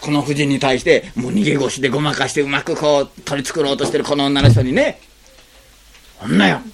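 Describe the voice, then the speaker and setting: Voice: medium pitch, fairly even intonation, fast talker. A pastor giving a conversational sermon, asking the congregation rhetorical questions and acting out short spoken lines. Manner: acts out short spoken lines in changing tones.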